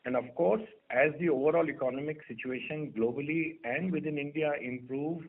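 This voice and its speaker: A man giving formal, unscripted business answers as a company executive, phrasing them in a deliberate, halting way. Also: mid-range voice. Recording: narrow telephone conference line.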